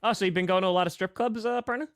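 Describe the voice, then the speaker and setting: A man's voice: high-pitched, rapid-fire, clean tone, no room sound, clean studio sound. A man chatting casually as a co-host on a sports talk show.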